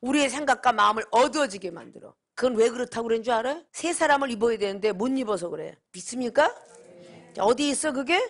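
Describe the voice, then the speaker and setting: A woman's voice: on the high side, expressive, quick pace. A middle-aged woman who heads a seminary gives a preaching-style lecture, emphatic and full of rhetorical questions. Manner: emphatic, asks rhetorical questions, acts out quoted dialogue.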